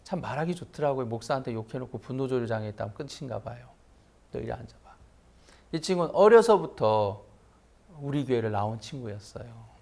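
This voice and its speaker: Man, pastor, middle-aged, gravelly voice, mid-pitched, storytelling sermon. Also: fairly quick. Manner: lively anecdotal preaching, voice rising sharply for emphasis.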